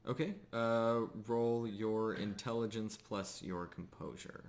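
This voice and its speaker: Narrating a tabletop roleplaying game as game master, a man speaks in a halting, measured way. His voice is lowish and his tone steady.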